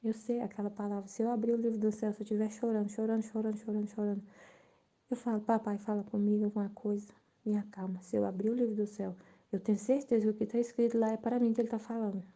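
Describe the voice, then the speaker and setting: A woman sharing an earnest, emotional spiritual testimony, sometimes dropping to a soft near-whisper. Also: fairly high pitch, flat delivery, rapid-fire. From Brazil. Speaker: Catholic channel presenter.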